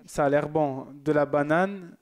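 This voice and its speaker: Man host, church TV, slightly high voice, casual and joking, reads out viewers' messages. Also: measured pace, smooth. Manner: chatty and joking, with loose asides. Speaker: church TV presenter. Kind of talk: casual broadcast chat reading viewer messages.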